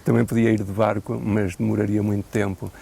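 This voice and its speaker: Portuguese priest with a gravelly voice. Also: male voice, on the low side, flat delivery, dark tone. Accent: European Portuguese. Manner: measured, thoughtful, with hesitant fillers and a dry joke now and then. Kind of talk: unscripted interview answers.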